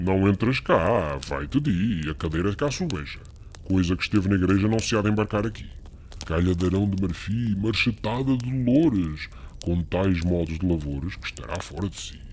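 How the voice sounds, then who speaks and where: A man talks in a put-on character voice with a very deep, low pitch at a moderate pace. Clear background noise runs under him. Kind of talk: archaic Portuguese verse drama. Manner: mocking, gleeful, commanding.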